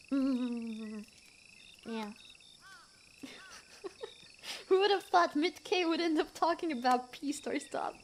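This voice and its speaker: Reading messages from her chat, a young non-native English-speaking streamer rambles and giggles, leaning on fillers. Her voice sits high, with a little hiss or hum in the background.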